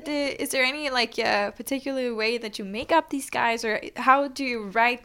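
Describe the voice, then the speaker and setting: A woman hosting a podcast, asking questions in English slowly, hesitantly and with laughs. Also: a little high, bright, forceful tone, clean tone. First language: Danish. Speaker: podcast host. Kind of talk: casual interview chat.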